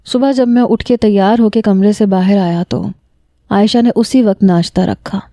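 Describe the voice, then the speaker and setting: A woman narrating a romantic story in the first person, steady and emotional. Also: medium pitch, no echo.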